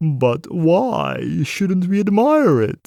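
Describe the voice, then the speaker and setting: Putting on a character voice, a man speaks at a high pitch. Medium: read story. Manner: affable, matter-of-fact.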